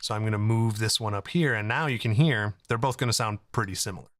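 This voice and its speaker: A man in his thirties hosting a casual software tutorial, explaining things in a conversational way. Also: fairly low pitch, fast, dry recording, clean studio sound. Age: 30s. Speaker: tutorial host.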